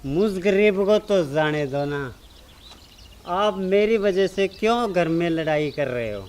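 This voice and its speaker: Pleading poor drunk played by a man, slightly high voice, whining. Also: lively intonation, measured pace, darkish tone. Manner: whining, begging.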